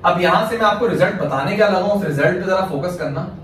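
Speaking fast in a high, fairly bright voice, a Pakistani man teaches maths, walking through each step and answering the questions he raises. It sounds recorded from a distance in a very reverberant room with light hiss.

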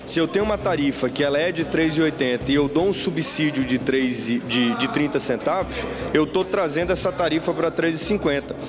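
A councillor in his forties with an Amazonas Brazilian accent explains his point critically. His voice sits slightly high. Clear music runs behind him. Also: brisk. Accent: Brazilian Portuguese, Amazonas. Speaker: city councillor. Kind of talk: interview statement. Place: indoor press room.

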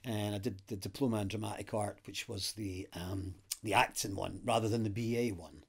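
A middle-aged actor from Aberdeen with a light Aberdeen Scottish accent, telling stories in a relaxed interview at home. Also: male voice, fairly low pitch, fairly quick, vocal fry, breathy edge. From Aberdeen, Scotland. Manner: lively, animated storyteller with gestures and laughs. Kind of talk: casual interview answers. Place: home room with bookshelves, indoors.

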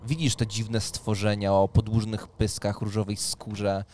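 A man's voice: lowish voice, little pitch movement, a little slow, dark tone. A man in his thirties acting as game master, explaining rules and narrating a tabletop role-playing scene. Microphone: studio microphone on a boom arm. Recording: clear background noise.

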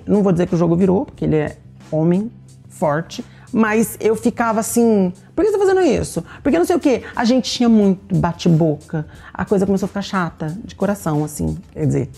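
Middle-aged woman, Brazilian accent, dark gravelly tone, frank first-person testimony. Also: fairly low pitch, fairly quick, soft background music. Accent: Brazilian Portuguese. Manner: candid, speaks straight to the audience; acts out remembered dialogue as she tells it. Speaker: storyteller sharing a personal testimony. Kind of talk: personal testimony, told to viewers.

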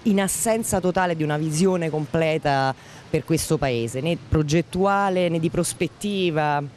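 A woman's voice: deep voice, a little slow, darkish tone. A woman in her forties giving an articulate, critical answer in a street interview. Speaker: interviewed passer-by. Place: outdoors by a shop entrance. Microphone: handheld interview microphone. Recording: faint street noise.

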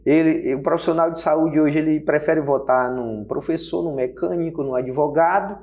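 A man's voice: fairly high pitch, moderate pace, a little mellow. A man in his forties, a health workers' union leader, giving emphatic interview answers in a small studio. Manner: emphatic, gestures broadly while speaking. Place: small studio set with table. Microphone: lapel mic.

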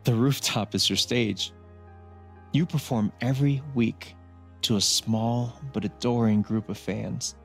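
An actor playing a calm, encouraging older brother in a video game drama, speaking gently and reassuringly. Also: male voice, mid-range voice, gravelly, faint music behind. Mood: tender, reflective. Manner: slow, tender, reassuring.

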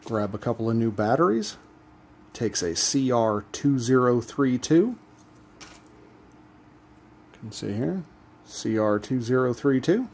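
A man with a medium-pitched voice hosts a do-it-yourself channel, working hands-on at a bench. In a relaxed, casual how-to demonstration, he explains a repair step by step. There's slight background noise.

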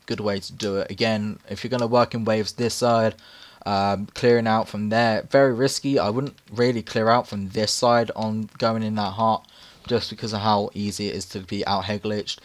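A hoarse, raspy man narrating casual gameplay tips over footage, rambling with many fillers. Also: fairly low pitch. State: hoarse from repeated takes. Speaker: gaming channel host.

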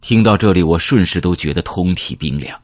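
A man narrating an audiobook in the first person, reflective and measured. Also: sits low, a little mellow, dry recording.

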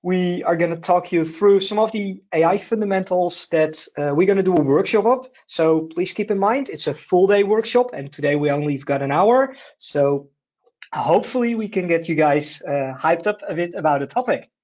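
A man's voice: sits high, moderate pace, darkish tone, muffled recording. A man from the Netherlands casually introducing himself as a webinar co-presenter.

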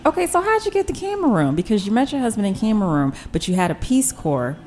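A woman hosting a podcast interview, bubbly and quick to react with cheers and laughs. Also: mid-range voice, sing-song, darkish tone, a little hiss or hum. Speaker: podcast host.

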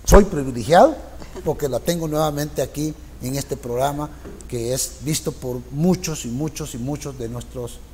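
An older man co-hosting a political TV interview, speaking in an effusive, flattering and emphatic way. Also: medium pitch, moderate pace, big-room sound, a little hiss or hum. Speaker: TV interview co-host. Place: TV studio.

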